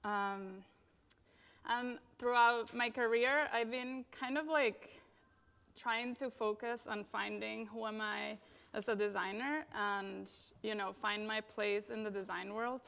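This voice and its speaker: A woman's voice: on the high side, steady tone, slow, vocal fry, a bit bright, smooth. A woman in her thirties from Venezuela giving a casual conference talk about her design career, with many fillers. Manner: casual, many fillers, frequent "you know" and "like".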